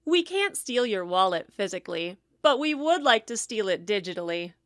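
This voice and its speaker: A woman's voice: medium pitch, very animated, moderate pace, a bit bright, dry recording, studio quality. A woman reading scripted end credits as the announcer of an audio drama podcast.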